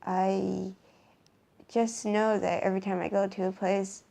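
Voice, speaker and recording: A young woman from Canada with a hoarse, worn-out voice, rambling casually through a show-and-tell vlog with many ums and restarts. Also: mid-range voice, little pitch movement, a little slow, mellow. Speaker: vlogger.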